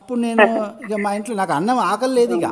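A man's voice: sits high, fast. A man with a Telangana Telugu accent, a guest in an interview, earnestly telling childhood stories and recounting dialogue. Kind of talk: storytelling in an interview.

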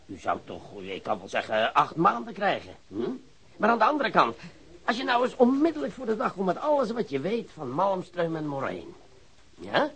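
An actor playing a volatile police investigator in a radio drama, husky, with oily, theatrical politeness that can flare up. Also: male voice, high-pitched, sing-song, moderate pace, fairly bright tone, exaggerated voice. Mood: smug, menacing. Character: wheedling, volatile male police investigator pressing an informant.

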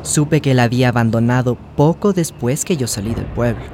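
An actress playing a warm, hopeful young trans woman who narrates her life in a radio drama in a confiding, emotive way. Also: very deep voice, fairly quick, a little hiss or hum. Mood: wistful, reflective. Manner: confiding, emotive, sighing interjections.

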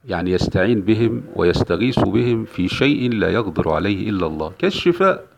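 A man's voice: lowish voice, animated, fast talker, creaky, noisy background. A male Islamic preacher giving an emphatic religious lecture, repeating key phrases for weight. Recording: dull lo-fi recording.

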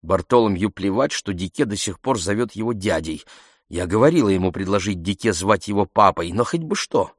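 A man's voice: lowish voice, animated, fairly quick, no room sound, studio quality. A man voicing a middle-aged immigrant woman doctor from Nigeria who complains heatedly and asks one rhetorical question after another. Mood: indignant.

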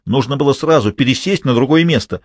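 A man's voice: mid-range voice, lively intonation, fairly quick, breathy edge, dry recording, clean studio sound, pitched above the performer's own voice. A man playing a violent, jealous hothead. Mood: yelling, contemptuous. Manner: yelling, contemptuous. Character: violent jealous man, hot-tempered and crude.

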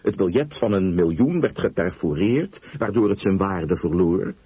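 A man reading a story aloud in the first person, with expressive narration. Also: deep voice, normal speed, breathy edge, no room sound. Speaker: storyteller, reader. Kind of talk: audiobook reading.

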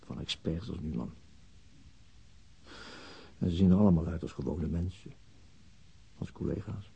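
A weary middle-aged police inspector with a deep, very husky voice. He is brooding and terse, probing with questions in the manner of a radio drama, and his words creak with fry. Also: moderate pace, mellow, exaggerated voice. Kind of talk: radio play acting, inner monologue and questioning.

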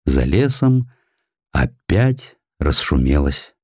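A man narrating historical prose as an audiobook, with a measured, expressive and dramatic literary delivery. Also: very deep voice, slightly rough, dry recording, clean studio sound. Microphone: close studio microphone.

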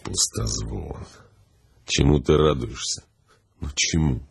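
An actor playing a bitter, lonely old man in a radio drama, muttering and agitated, with a gravelly, breathy voice. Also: extremely low pitch, slow pace, exaggerated voice. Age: older. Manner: muttering, agitated, swings from whispers to shouts. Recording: music under the voice.

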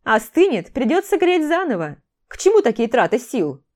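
Woman voicing a loud, indignant vampire teacher. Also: medium pitch, expressive, unhurried, close to an everyday voice.

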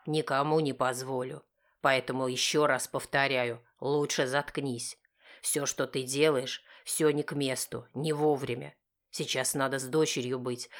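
A woman voicing an enraged middle-aged husband who snarls harsh, cursing retorts in her own low voice. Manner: harsh, snarling through teeth.

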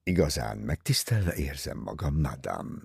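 A man's voice: deep voice, wildly swooping pitch, gravelly, darkish tone, husky, no room sound, clean studio sound, heavily acted. A man voicing a courteous, gallant older detective who speaks politely and formally.

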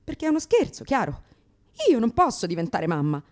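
A woman's voice: on the high side, sing-song, brisk, a little mellow. A woman performing a theatrical comic monologue as a brash, neurotic lesbian comedian, sardonic, exclamatory, crude and self-mocking. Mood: anxious, ironic.

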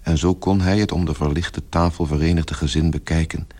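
An actor as the grave storyteller, giving measured literary narration in a radio play. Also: male voice, deep voice, steady tone, mellow, husky. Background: music.

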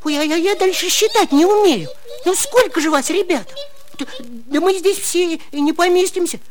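High-voiced grumbling little puppy. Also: female voice, expressive, normal speed. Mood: flustered. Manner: childlike, flustered, stammering. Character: grumbling, flustered but soft-hearted young puppy.

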